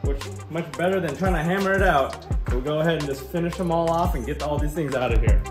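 A man in his thirties giving a relaxed, step-by-step how-to walkthrough of a tool project in his home garage. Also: fairly high pitch, fast, over loud music. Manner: relaxed, practical, explains step by step. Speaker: DIY garage tool reviewer. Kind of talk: casual how-to narration.

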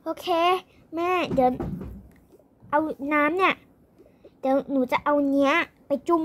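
A young girl improvising a roleplay story with toy-game characters, excitable and repeating words rapidly. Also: sits high.

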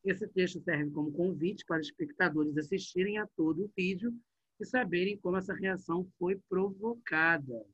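A male teacher talks to his students in a bright, high, husky voice. He is lively and chatty, and speaks close and dry to a computer mic. The audio comes through dull and muffled. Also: moderate pace, no echo. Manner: lively, chatty, addresses class directly. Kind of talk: online class.

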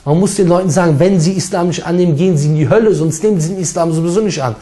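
A man preaching a sermon with emphatic, forceful delivery, mixing in Arabic recitation. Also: high-pitched, very fast.

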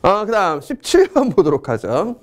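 A middle-aged man with a high-pitched voice at normal speed gives a history lecture on exam answers. He's jokey and excitable, chatting with his students between questions.

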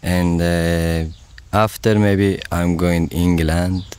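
A man, a Persian speaker, talking casually in halting, simply phrased English. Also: low-pitched, fairly even intonation, a little mellow, clean tone. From Afghanistan. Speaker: podcast subject telling his story.

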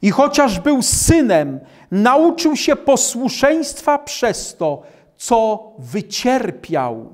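An older man in his sixties, standing at a lectern in a small hall, preaching a Bible sermon and reading scripture aloud in a measured, emphatic way. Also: very high-pitched, sing-song. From Poland. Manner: measured, emphatic preaching, slowing on key phrases. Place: small hall with world maps behind a lectern.

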